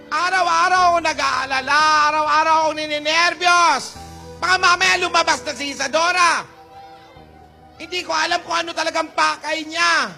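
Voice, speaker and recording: A man doing a fretful high-voiced old grandmother. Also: bright, forceful tone, heavily acted. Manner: fretful, dramatic, shifts into soothing baby talk. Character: fussy, worried elderly grandmother in a wig. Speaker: comic actor in a live street sketch. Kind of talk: live comedy sketch acting.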